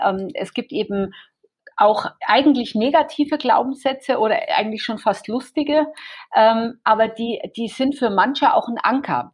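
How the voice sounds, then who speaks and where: A woman's voice: on the high side, slightly rough. A woman, a guest author explaining her coaching method in an interview, hesitant with many fillers and restarts.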